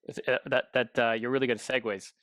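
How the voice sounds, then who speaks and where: Man, podcast co-host, very quick pace, casual questioning, close dry sound. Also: mid-range voice, steady tone, fairly bright tone, no echo. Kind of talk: casual conversational interviewing.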